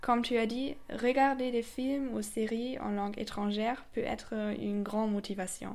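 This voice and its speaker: Against noticeable background noise, a woman with a German accent speaks at a moderate pace in a fairly high pitch with fairly even intonation. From Germany. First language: German (speaking French). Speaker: European volunteer, podcast co-host. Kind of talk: scripted podcast narration.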